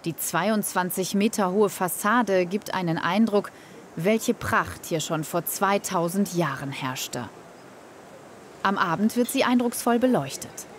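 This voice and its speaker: A woman reading the scripted narration of a travel documentary in a calm, measured voice-over. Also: medium pitch, a little hiss or hum.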